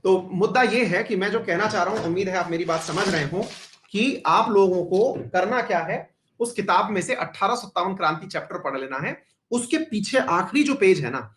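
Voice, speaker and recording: This man's voice sits high and is a bit bright and expressive, at a normal speed, with slight background noise. Teaching history online to exam-prep students, he chats, asks them questions, digresses, and blends English terms into his talk.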